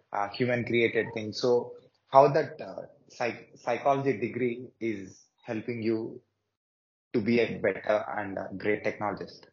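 A man hosting a podcast interview, asking his questions in halting, carefully built phrases with many fillers. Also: lowish voice, highs cut off. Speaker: podcast host.

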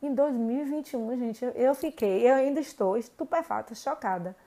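A woman, telling a personal story to viewers in an indignant, animated way. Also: fairly high pitch, moderate pace. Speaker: vlogger.

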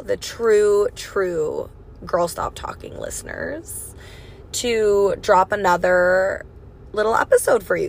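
A raspy young woman hosting a casual solo podcast, chatty and swearing freely, recorded on a phone mic in her car. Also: medium pitch. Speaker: podcast host. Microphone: phone microphone.

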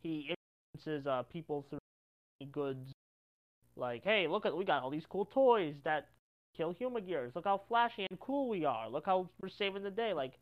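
A podcast co-host talks over a voice call, rambling and trailing off while hunting for words. The audio is quiet and dull, and it keeps cutting out in short dropouts. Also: medium pitch, animated, moderate pace. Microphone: computer mic over a voice chat app.

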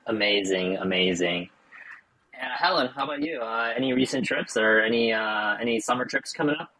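A man's voice: medium pitch, brisk, pushed and bright, poor audio. An American man hosting a podcast, chatting casually with lots of fillers and small talk. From United States. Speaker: podcast host. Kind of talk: casual interview chat. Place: Chicago.

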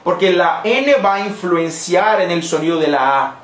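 In a live online class for Spanish speakers, a Portuguese teacher patiently explains pronunciation and says the model words again and again. She speaks at a moderate pace in a lowish voice with lively intonation, and there's noticeable reverb.

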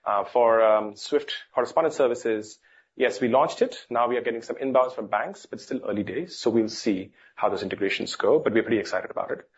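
A man's voice: mid-range voice, a little fast, slight background noise. A man speaking as a company executive on an earnings call, informal in phrasing as he answers questions. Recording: dull, band-limited call audio.

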